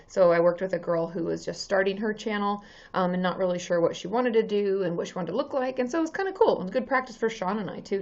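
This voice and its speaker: Hoarse, chatty woman live-streaming. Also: medium pitch, lo-fi sound. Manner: chatty, greets viewers by name, many ums. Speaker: therapist hosting a live stream. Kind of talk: casual live-stream chat with viewers.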